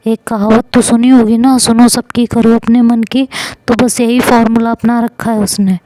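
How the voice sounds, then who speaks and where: Woman storyteller, mellow warm voice, dry close recording, story narration with acted phone quarrels. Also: a little high, flat delivery, moderate pace, no echo, low-quality recording. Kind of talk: narrating and voicing an audio love story.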